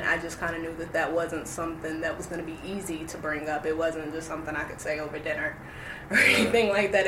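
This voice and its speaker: A young woman, recalling her early life in an oral history interview, reflective and hesitant with many fillers. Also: lowish voice. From Roanoke, Virginia. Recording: echoey room with noise.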